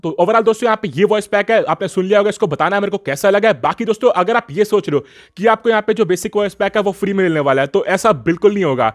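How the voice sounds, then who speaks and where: A man's voice: sits high, quick pace. A man with an Indian accent doing a casual gaming news voice-over as a YouTuber.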